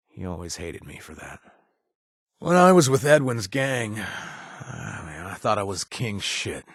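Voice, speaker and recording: An actor playing a remorseful former gang member and recovering addict who now runs a bar, talking casually with wry asides and trailing hesitations, recorded in a dry booth. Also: male voice, fairly low pitch, husky, no room sound, heavily acted. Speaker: companion character. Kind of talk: video game voice acting.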